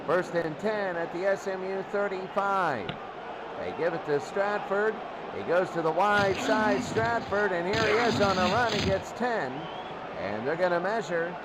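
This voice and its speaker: A man doing excited football play-by-play in short clipped phrases, repeating downs and yardage. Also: high voice, unhurried. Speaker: play-by-play announcer. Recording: noisy game broadcast, loud crowd. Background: loud crowd and heavy background noise.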